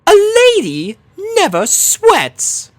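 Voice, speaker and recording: Woman doing a haughty, high-pitched prissy girl. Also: huge pitch swings, extremely slow, exaggerated voice. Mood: offended. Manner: haughty, fussy. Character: prissy, ladylike, easily offended teenage girl.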